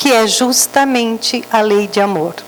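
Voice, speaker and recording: Over noticeable background noise, a woman talks at a very slow pace with a fairly high pitch. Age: 60s. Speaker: spiritist speaker. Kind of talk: religious lecture.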